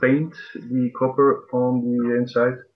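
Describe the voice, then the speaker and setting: A man speaks at a very slow pace. His voice sits at a medium pitch. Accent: non-native. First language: not English. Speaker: hobbyist experimenter. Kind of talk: technical explanation. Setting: Skype call. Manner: halting.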